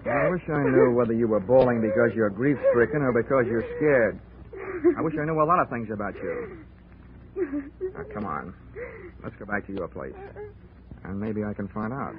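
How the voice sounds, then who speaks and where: An American actor playing a cynical, wisecracking insurance investigator in 1940s radio noir style, wry and clipped. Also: male voice, mid-range voice, animated, moderate pace, pauses often, crowd noise, natural voice. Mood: sardonic, probing. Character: hardboiled, cynical male insurance investigator and detective. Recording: muffled 1940s radio recording, music behind.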